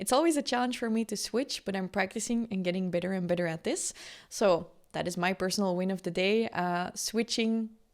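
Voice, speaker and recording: A woman with a Flemish accent speaks at a fairly quick pace on a very clean recording with a silent background. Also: medium pitch for a woman, ordinary pitch variation. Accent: Belgian Dutch (Flemish) accent in English. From Belgium. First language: Dutch. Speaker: business coach. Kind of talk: podcast monologue. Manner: casual, with frequent fillers.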